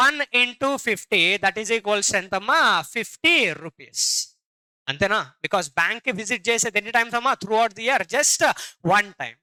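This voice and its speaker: A man's voice: extremely high pitch, bright, forceful tone, clear, resonant tone, no echo, low-quality recording. A man with a Telugu accent teaching a classroom lecture, often repeating questions and calling on his students for answers.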